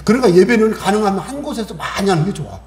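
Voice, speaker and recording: A middle-aged male pastor giving a lively Sunday sermon. He asks the congregation questions and acts out voices from his stories. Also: sits high, rapid-fire, roomy sound.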